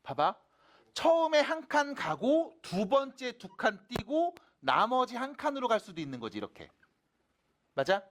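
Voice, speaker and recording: A man's voice: very high voice, big pitch swings, unhurried, slight background noise. A man working through exam math problems as a teacher, informal and often checking understanding with short questions, his articulation slightly slurred as if after dental work. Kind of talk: exam problem explanation to students.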